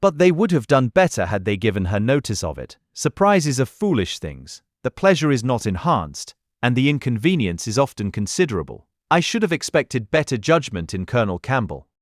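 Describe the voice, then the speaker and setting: An actor playing a blunt, protective country gentleman, brusque and authoritative, in a period audiobook drama. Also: mid-range voice, very animated, moderate pace, hardly any pauses, no room sound, clean studio sound, lightly acted. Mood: critical.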